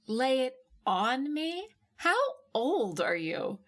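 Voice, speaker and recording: Woman acting a high-pitched, insistent heartbroken woman. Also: slow, heavily acted. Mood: teasing. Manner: higher, animated, insistent. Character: heartbroken tipsy woman, pleading, playful, blunt.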